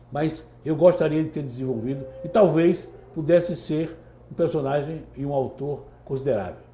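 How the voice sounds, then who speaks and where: Through audible room echo and noticeable background noise, a man talks at a moderate pace with a fairly high pitch and ordinary pitch variation. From Alagoas, northeastern Brazil. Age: 70s. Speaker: writer and journalist. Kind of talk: interview. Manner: halting, repeats words.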